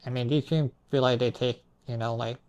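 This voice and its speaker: A man's voice: mid-range voice, fairly even intonation, a little fast, a little mellow. Puzzled young man hazily recounting dreams. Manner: hazy, puzzled recounting, trailing into asides. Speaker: storyteller recounting own dreams. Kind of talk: casual rambling storytelling.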